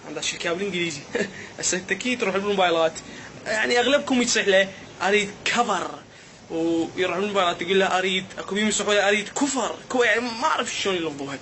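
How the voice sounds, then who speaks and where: With a high, slightly bright voice, an Iraqi vlogger jokes around for his audience in a playful monologue, pretending to be puzzled. He's from Iraq, has an Iraqi Arabic accent, and there's slight background noise.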